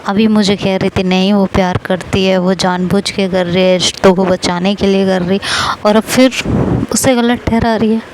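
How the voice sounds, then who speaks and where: A woman's voice: medium pitch, steady tone, moderate pace, a little mellow, a little hiss or hum, lightly acted, rough recording. A woman voicing a young woman who consoles her best friend with coaxing affection. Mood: consoling. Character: young woman friend, teasing then tender, confesses love.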